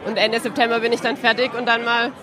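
A woman's voice: a little high, little pitch movement, fast talker, a bit bright. A young woman in her twenties from Schwäbisch Hall, a student guest who talks in a friendly, giggly way. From Germany, Schwäbisch Hall. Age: 20s. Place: busy trade fair lounge. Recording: crowd chatter behind.

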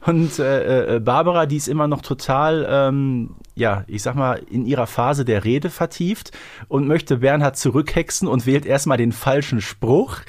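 A man's voice: medium pitch, normal speed, dry recording. A man co-hosting a podcast, chatting casually as he explains a story. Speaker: podcast co-host. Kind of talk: casual chat recapping an episode.

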